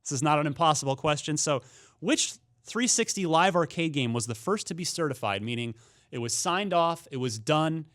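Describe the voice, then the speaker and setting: Man hosting with animated, swinging intonation. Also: a little high, moderate pace. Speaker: podcast host, trivia quizmaster. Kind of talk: casual gaming talk show chat.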